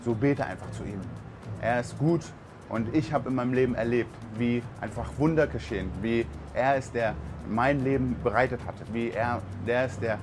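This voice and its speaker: Over background music, a truck driver from Berlin, Germany, who serves on a mission team shares an earnest, heartfelt personal testimony peppered with fillers. He has a mid-range voice and talks at a normal speed.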